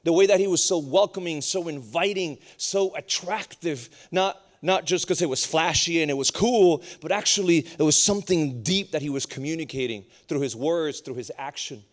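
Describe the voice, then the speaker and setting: A man's voice: moderate pace, few pauses. A man in his thirties from Puerto Rico, preaching a sermon with humor and rising intensity. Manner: lively, humorous preaching that climbs higher and more intense as it goes. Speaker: pastor.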